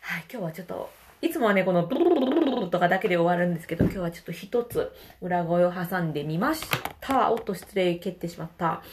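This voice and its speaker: A woman's voice: quick pace, few pauses, noisy background. A middle-aged woman with a Kansai accent, a vocal trainer chatting and laughing often on a casual livestream voice lesson. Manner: chatty, laughs often, demonstrates falsetto vowels.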